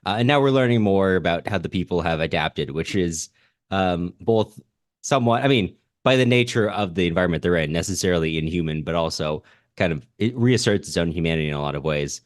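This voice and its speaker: A man's voice: deep voice, animated, brisk, no room sound, studio quality. A man co-hosting a literary podcast, explaining things informally with hesitant, self-correcting phrasing. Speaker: podcast co-host. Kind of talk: casual literary discussion podcast.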